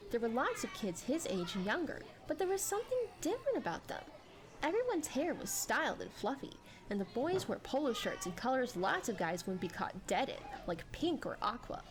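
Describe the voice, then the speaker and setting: A woman reading a story aloud as a dramatic, expressive, animated narrator. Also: high-pitched, moderate pace. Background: background music.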